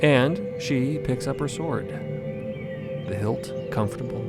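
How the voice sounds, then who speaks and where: A man narrating a scripted fiction podcast in a deliberate, dramatic way. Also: medium pitch, expressive, loud music behind the voice.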